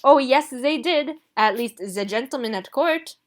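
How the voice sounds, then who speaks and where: A woman voicing an excitable, loud seamstress with a French accent. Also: sits high, measured pace, pitched above the performer's own voice.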